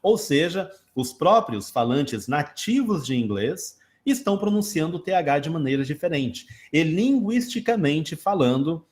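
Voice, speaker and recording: A man's voice: fairly high pitch, sing-song, measured pace, few pauses, a little mellow. A man with a Brazilian Portuguese accent, an English teacher answering viewer questions in a casual live stream, explaining patiently with everyday examples.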